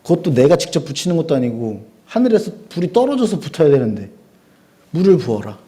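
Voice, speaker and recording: A man preaching a sermon, telling the story in a lively way, asking the congregation questions and acting out the quotes with sound effects. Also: a little high, fast.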